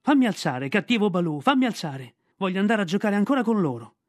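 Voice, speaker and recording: A man's voice: high-pitched, big pitch swings, fast talker, no room sound, studio quality, pitched above the performer's own voice. A man voicing a cheeky, boastful boy raised in the jungle. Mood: excited, pleading.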